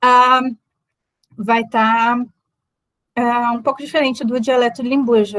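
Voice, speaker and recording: At a moderate pace, a woman speaks with monotone, flat intonation. Her pitch sits fairly high. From southern Brazil, Porto Alegre region. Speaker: linguistics professor. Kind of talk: lecture.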